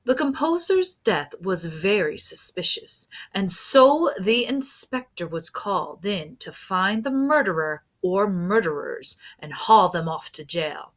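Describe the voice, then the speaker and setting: A young woman reading a storybook aloud in an expressive, deliberate, emphatic way, like a teacher. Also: mid-range voice. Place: small room at home.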